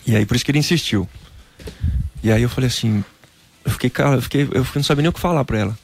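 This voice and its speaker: Speaking at a racing clip in a mid-range voice with vocal fry, an ex-footballer from Brazil recounts his faith journey in a relaxed interview, lively and full of "cara."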